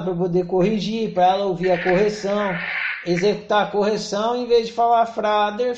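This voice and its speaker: A man, explaining ideas in a thoughtful, reflective talk with frequent restarts. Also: high-pitched. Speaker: speaker on self-knowledge. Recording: roomy, slightly dull recording.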